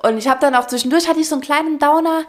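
A young woman co-hosting a podcast, telling a story in lively casual chat and acting out quotes. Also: high-pitched, very fast. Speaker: podcast co-host.

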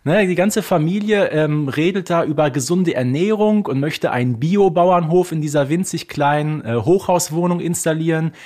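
A man's voice: fairly high pitch, moderate pace, hardly any pauses, darkish tone. Conversational man telling stories as co-host. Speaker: podcast co-host. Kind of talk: conversational discussion of an audio drama series.

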